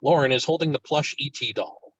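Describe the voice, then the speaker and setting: A man's voice: mid-range voice, fairly quick, a bit bright, breathy edge, dry recording, highs cut off. A man reading stage directions as narrator in a virtual table read of a film script.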